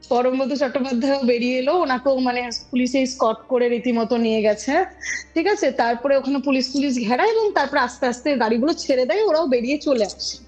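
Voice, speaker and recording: A woman's voice: high-pitched, fast, darkish tone. A woman telling an eerie story conversationally as a podcast guest, acting out quoted dialogue and checking back with her listener. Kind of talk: conversational storytelling of an eerie real-life incident. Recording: dull lo-fi audio with music behind. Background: music.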